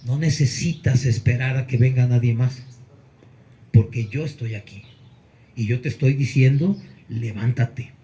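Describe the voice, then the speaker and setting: A male pastor preaching a Sunday sermon, earnest with emphatic pauses. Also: mid-range voice, dark tone, poor audio.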